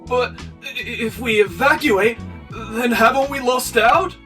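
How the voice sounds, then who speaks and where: A man voicing a dim, hesitant, childlike video game thug with a goofy, halting, stammering delivery. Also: extremely high pitch, bright, forceful tone, far from the mic, soft background music, full character voice.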